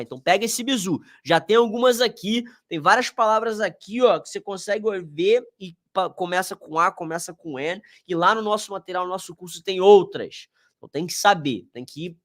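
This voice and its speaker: A man's voice: high voice, fairly bright tone. A man with a Brazilian Portuguese accent teaching an online exam review lesson, casual and slangy, talking straight to his students.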